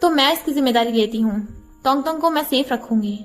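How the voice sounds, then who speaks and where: A determined young mother, voiced by a woman narrator, firm and urgent in a high voice. Faint music runs underneath. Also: fairly quick, natural voice.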